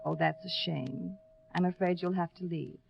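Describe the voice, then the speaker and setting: Cool, coy old radio serial dame. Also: female voice, fairly low pitch, normal speed, creaky, noisy background. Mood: guarded. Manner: teasing, cool, evasive. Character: cool, coy, guarded young other woman. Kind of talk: 1950s American radio detective serial acting. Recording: dry, dull old radio recording.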